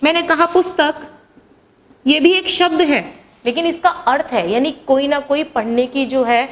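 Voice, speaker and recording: A woman with a high-pitched voice teaches a class lesson. She explains patiently and repeats each idea. She keeps asking her students questions and then answers them herself. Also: normal speed.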